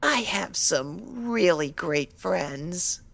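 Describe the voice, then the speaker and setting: A woman's voice: fairly low pitch, lively intonation, very slow, gravelly, fairly bright tone, exaggerated voice. A woman voicing a timid, injured young female pony in a dramatized story reading, hesitant and meek, with anxious pleading. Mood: wistful. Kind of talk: dramatized fan fiction reading.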